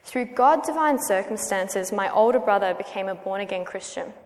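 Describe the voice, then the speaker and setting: An Australian woman in her thirties, praying and then giving her personal testimony as a guest speaker in a church, earnest and measured. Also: medium pitch, expressive. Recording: long hall reverb.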